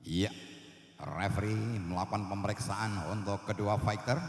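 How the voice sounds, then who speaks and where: A man with an Indonesian accent doing live fight announcing and commentary in measured phrases with pauses. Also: fairly low pitch, steady tone. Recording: very echoey hall PA, music behind.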